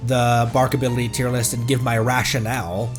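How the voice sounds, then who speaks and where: A man's voice: medium pitch, flat delivery, a little fast. A man giving casual live gameplay commentary as a streamer, chatty and thinking aloud. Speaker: video game streamer. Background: faint game music.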